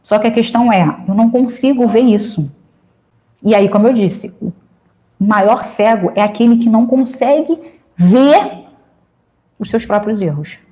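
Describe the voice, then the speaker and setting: A woman gives casual advice to a group in a fairly high voice. She talks with emphatic energy and gets loud when excited. She works jokes and anecdotes into her points. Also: measured pace, long pauses. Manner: tells anecdotes, jokes along the way. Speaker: social project leader speaking to a group.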